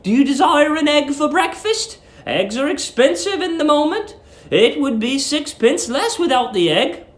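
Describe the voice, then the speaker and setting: A sweet, eerily eager middle-aged English landlady played by a man coos in a very high, swooping voice. She is genteel and lingers on her words, as in a storybook reading in a roomy, echoing space. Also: sing-song. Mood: sweetly coaxing. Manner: cooing, genteel, drawn-out emphasis.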